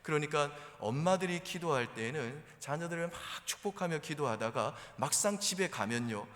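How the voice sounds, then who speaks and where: A man's voice: fairly high pitch, animated, moderate pace, fairly bright tone. A man preaching a sermon to his congregation as pastor, in a conversational storytelling manner. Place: church sanctuary. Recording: reverberant church hall.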